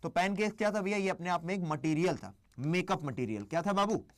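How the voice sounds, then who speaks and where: A young man teaching an English exam lesson on a live stream. He talks in a chatty way, quizzes himself aloud, mixes Hindi and English, and slows down to dictate key points. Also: high voice, lively intonation.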